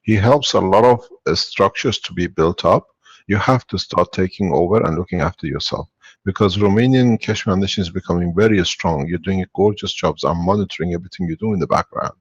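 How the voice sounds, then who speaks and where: A man's voice: low-pitched, fairly quick, slightly rough, dry recording, muffled recording. A man leading a spiritual workshop and taking callers, talking in a rambling, insistent way and often cutting in. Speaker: workshop speaker answering callers. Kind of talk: spiritual talk and Q&A.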